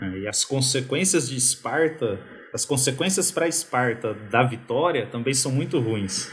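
A man's medium-pitched voice at a fairly slow pace, with lively intonation and noticeable background noise. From Brazil. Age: 30s. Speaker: classics professor. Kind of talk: casual interview chat.

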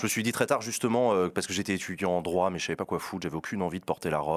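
On a very clean recording with a silent background, a man talks at a very fast pace in a very deep, low voice. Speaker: political talk show host. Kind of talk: live talk show. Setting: studio with audience.

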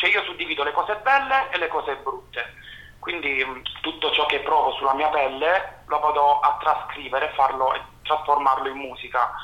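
A man at a moderate pace with fairly even intonation, against noticeable background noise. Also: fairly high pitch for a man. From Apulia, southern Italy. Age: 20s. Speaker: singer. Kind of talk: interview.

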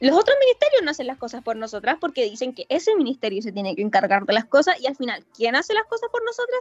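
In a Chilean accent, a woman speaks very fast at a high pitch with very wide pitch swings, her voice dry and close with no echo and music playing in the background. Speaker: podcast host. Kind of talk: casual chat.

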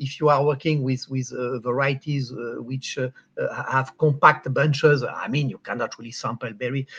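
In a French accent, a man speaks at a moderate pace with fairly even intonation and big swings in loudness. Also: medium pitch for a man. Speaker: vine physiology professor. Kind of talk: lecture. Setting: video call.

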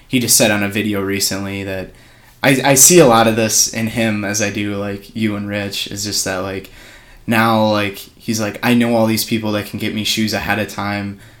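A man talks at a moderate pace in a monotone, flat intonation. Room echo is audible. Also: fairly low pitch for a man. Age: 20s. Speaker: podcast host. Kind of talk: casual chat. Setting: home bedroom.

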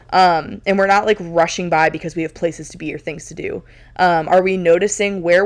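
A woman with an unremarkable speaking voice talks at a fairly low pitch and a moderate pace. Her intonation is fairly even, but her loudness swings widely. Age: 20s. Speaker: podcast host and content creator. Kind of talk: casual solo talk on faith and life. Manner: casual, filler-heavy.

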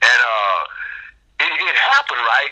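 A man speaks with a Memphis accent. Noticeable background noise can be heard. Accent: Southern US, Memphis. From Memphis, Tennessee, US South. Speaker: poet. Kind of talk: casual interview. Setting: phone call.

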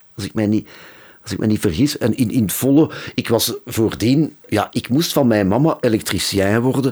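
A man with a normal speaking voice talks at a moderate pace. His pitch is medium, with ordinary pitch variation. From Brussels, Belgium (Anderlecht). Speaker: session bassist and producer. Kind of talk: casual interview. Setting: studio.

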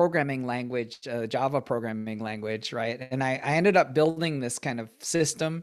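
A plain, everyday voice with an American accent moves at a moderate pace with ordinary pitch variation. The recording is very clean, with a silent background. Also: man. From US Midwest, Michigan. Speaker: venture capital investor. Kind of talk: interview. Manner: casual, filler-heavy.

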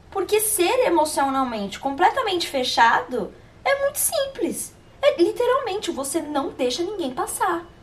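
Moderate-paced speech with very wide swings in pitch and noticeable noise behind it. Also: woman. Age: 20s. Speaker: podcast host. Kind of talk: solo casual monologue. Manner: talkative, animated.

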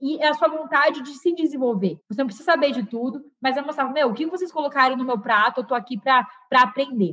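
A woman's high-pitched, animated voice at a very fast pace, with hardly any pauses and ordinary pitch variation. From Brazil, Guarulhos (São Paulo). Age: 20s. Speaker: social entrepreneur and NGO founder. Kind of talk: podcast interview.

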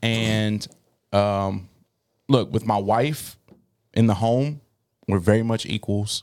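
A man speaks at a very slow pace and a fairly low pitch with fairly even intonation and long, frequent pauses, in a very clean recording with a silent background. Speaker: podcast co-host.

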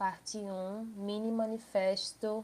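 Her voice is a medium-pitched woman's voice with a dark, mellow tone and monotone, flat intonation. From Brazil, Recife (Pernambuco). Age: 30s. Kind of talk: interview conversation.

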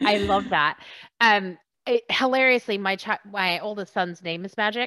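A woman speaks at medium pitch and a moderate pace, with ordinary pitch variation and a bright, sharp tone. The background is quiet. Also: dry, close sound with no echo. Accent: American. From United States. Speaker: podcast host, career consultant. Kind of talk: interview.

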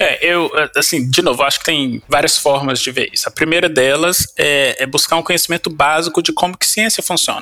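Music plays in the background as a man speaks at a fairly quick pace with hardly any pauses. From Brazil, Belo Horizonte (Minas Gerais). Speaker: cognitive psychology researcher. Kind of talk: casual interview.

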